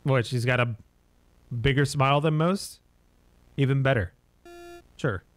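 Speaking a little slowly at a medium pitch, a streamer in his thirties plays a horror game. He gives laid-back, half-joking commentary and reacts as things happen.

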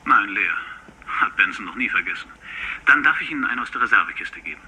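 Sharp, low-voiced deferential chauffeur. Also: male voice, expressive, a little fast, a little hiss or hum, poor audio. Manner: polite, deferential. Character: deferential male chauffeur driving his boss. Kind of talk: dubbed TV crime drama acting.

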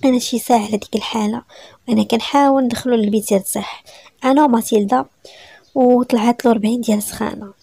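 Fast, gravelly Moroccan woman storyteller. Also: a little high, fairly even intonation, warm tone, no echo. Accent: Moroccan Arabic. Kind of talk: first-person story narration.

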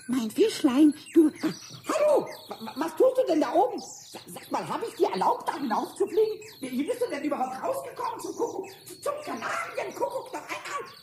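A man voicing a small, cheeky, impulsive kobold in a children's radio play, squeaky and stammering with repeated words. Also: huge pitch swings, a little fast, hardly any pauses, a little mellow, exaggerated voice. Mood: flustered, bossy. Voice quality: squeaky, high-pitched. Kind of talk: 1970s German children's radio play acting. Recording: noisy old vinyl radio-play recording.

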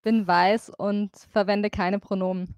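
A woman's voice: medium pitch, level tone, a little slow, darkish tone, clean tone, no echo. A woman in her twenties from Austria, moderating a casual chat as podcast host. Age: 20s.

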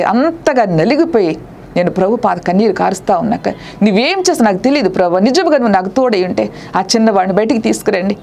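A woman's voice: medium pitch, darkish tone, slight background noise. A middle-aged woman preacher giving an emotional testimony sermon in a TV studio, fervent, with repeated hallelujahs and tearful prayers. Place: TV studio set.

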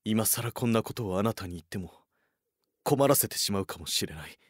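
A man playing a reserved, lovelorn gentleman in a romantic anime style, soft, earnest and polite. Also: fairly low pitch, animated, a little fast, breathy edge, no room sound, studio quality. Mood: tender, regretful. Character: reserved, lovelorn gentleman confessing hidden love.

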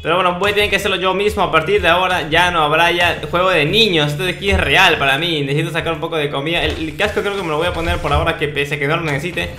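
A man's voice: on the high side, fairly even intonation, racing, hardly any pauses, sharp tone, faint music behind. A young man giving casual gameplay commentary in a playful, mock-boastful, slangy way. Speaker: gaming video host. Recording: roomy echo, faint noise, clicks.

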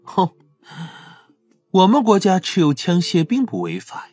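Man putting on a smug, flirty, high-pitched suspect. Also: wildly swooping pitch, measured pace, a little mellow, husky, no echo, faint music behind, full character voice. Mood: nonchalant. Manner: teasing, nonchalant.

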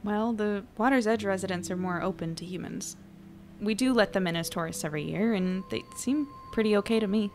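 A woman playing a practical, reassuring newspaper editor in an audio drama, casual and measured. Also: medium pitch, darkish tone, slight background noise, close to an everyday voice. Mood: guarded.

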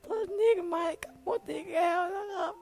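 A man putting on a squeaky, high voice as an excitable young male game hero, narrating his play and yelping and cursing when startled. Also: fairly quick, gravelly, faint music behind. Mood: excited. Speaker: game caster. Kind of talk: playing and narrating a block-building game in a put-on voice.

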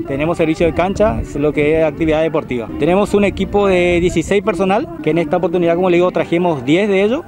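A police officer in his thirties with an Argentine accent speaks in formal, bureaucratic phrasing. His voice sits high for a man. He talks into a handheld reporter's mic on an open field. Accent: Argentine Spanish. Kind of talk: formal interview. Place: open grass field outdoors.

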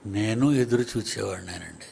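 Guy preaching to a church crowd, gravelly rough voice, keeps firing questions at the listeners. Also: lowish voice, moderate pace, a little mellow, a little hiss or hum. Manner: teasing rhetorical questions to the congregation. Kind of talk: sermon to a congregation.

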